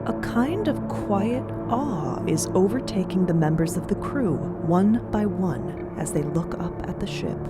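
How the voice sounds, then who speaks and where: A woman's voice: on the low side, animated, a little slow, few pauses, over loud music. A woman reading scripted narration for an audio drama.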